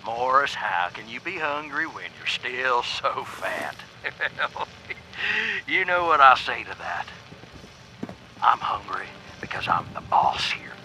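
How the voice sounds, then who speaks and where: A greedy, psychopathic raider boss, sneers through a game audio log. His voice is very sharp and forceful and swings about theatrically, menacing and bullying, over slight tape noise. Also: mid-range voice, very animated, slow pace, pauses often, heavily acted, rough recording. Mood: smug, mocking. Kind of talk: dramatic audio log monologue from a video game.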